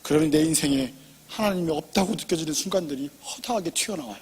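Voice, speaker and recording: A man preaching a sermon as pastor, impassioned and personal, swinging from loud pleading to hushed near-whispers. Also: a little high, fast talker, husky, long reverb tail. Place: church sanctuary.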